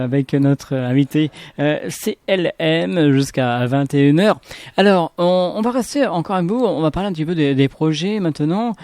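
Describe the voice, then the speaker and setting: French radio host, dry close sound. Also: male voice, on the high side, a little mellow, no room sound. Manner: polite, halting questions with many fillers. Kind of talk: local radio interview.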